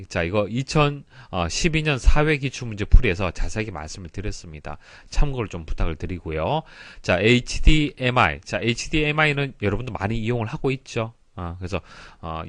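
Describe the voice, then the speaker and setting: Male instructor, fairly deep voice, explanatory lecture delivery with repeated key points, dry room-free sound. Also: no echo. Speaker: exam-prep lecturer. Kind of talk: instructional lecture working through past exam questions.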